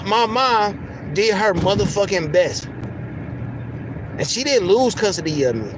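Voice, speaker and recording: Guy with a high squeaky soft voice going off on a heated live rant, cussing, street and car noise behind. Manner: heated, profane, repeats words when worked up. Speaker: livestream host. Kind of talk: ranting livestream monologue.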